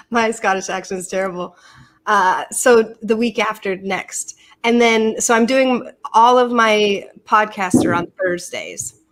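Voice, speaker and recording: A woman's voice: mid-range voice, slow pace, fairly bright tone. A middle-aged American woman hosting a live podcast, talking casually and fondly to her daughter, often repeating words as she starts a thought. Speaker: podcast host. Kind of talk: casual live-stream chat.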